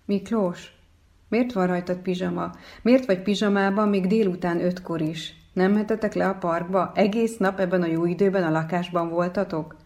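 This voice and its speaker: A woman reading a first-person story aloud as narrator, in a calm, measured way. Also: on the low side.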